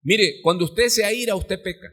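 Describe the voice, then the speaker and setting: A pastor with a Mexican Spanish accent preaching a live sermon in a church, full of rhetorical questions and sudden drops to soft low words. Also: male voice, normal speed, breathy edge. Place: church sanctuary.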